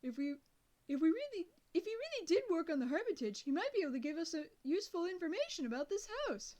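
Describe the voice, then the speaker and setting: A woman doing an eager, high boy genius. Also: sing-song, quick pace. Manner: loud, high and insistent.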